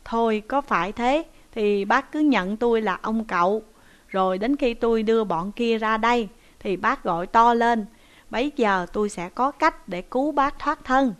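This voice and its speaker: A woman's voice: fairly high pitch, normal speed, lightly acted. A woman voicing a shrewd, stern male village headman who speaks in a commanding, scolding way. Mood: calm.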